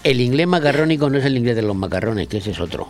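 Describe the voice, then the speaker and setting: A man's voice: mid-range voice, very animated, fast, faint music behind. A Spanish man hosting a radio show in a studio, joking and teasing his guest. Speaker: radio host. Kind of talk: radio chat interview.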